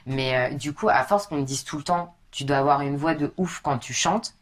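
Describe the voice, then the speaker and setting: A young woman with a deep, husky speaking voice talks loosely and informally as a podcast guest. She strings long stories together with lots of casual fillers. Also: normal speed. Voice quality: low husky voice. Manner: chatty, informal, many fillers.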